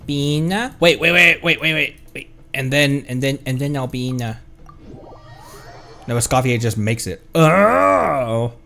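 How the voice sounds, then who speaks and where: A streamer giving casual, excitable live commentary on a game, exclaiming and often repeating phrases. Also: mid-range voice, takes it slowly, creaky. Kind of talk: casual gameplay livestream commentary. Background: video game music.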